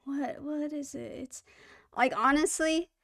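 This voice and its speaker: A woman's voice: high voice, fairly even intonation, measured pace, creaky, a bit bright. A woman hosting a reaction video, chatting casually in an upbeat, rambling way and poking fun at herself.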